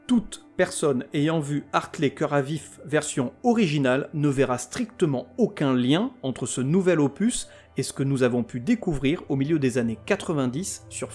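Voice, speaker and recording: Male podcast host, slightly high voice, sarcastic and foul-mouthed, comic reviewer. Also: a little mellow. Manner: sarcastic, crude ranting with mock outrage. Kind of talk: scripted comic series review.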